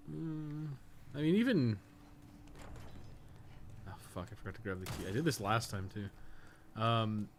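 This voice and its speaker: A man with a medium-pitched, animated voice gives casual, rambling commentary on a gaming livestream, unhurried and with long pauses. His speech is slangy with frequent swearing; he's a livestreamer and podcast co-host, and background noise is noticeable.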